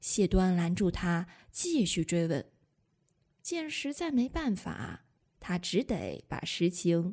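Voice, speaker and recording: Speaking at a very slow pace, a woman uses a medium pitch with lively intonation. Her voice is somewhat breathy. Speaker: podcast host and Chinese language teacher. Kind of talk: storytelling for language learners. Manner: slow and clear.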